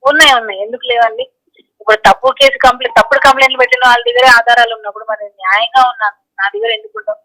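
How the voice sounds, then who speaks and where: A woman's voice: a little high, lively intonation, very fast, bright, forceful tone. A woman answering questions in a phone interview, speaking insistently and repeating her phrases. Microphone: phone call. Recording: tinny telephone line.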